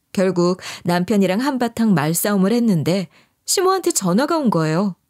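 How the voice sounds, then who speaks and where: A woman's voice: mid-range voice, darkish tone. A woman narrating her own story in the first person, emotional and confiding.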